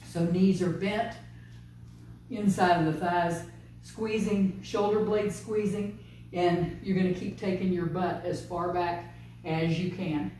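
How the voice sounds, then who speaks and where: A woman teaching a yoga class, giving calm, unhurried step-by-step cues. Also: lowish voice, a little hiss or hum. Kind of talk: guided yoga class instruction. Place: yoga studio. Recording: distant, very echoey studio room.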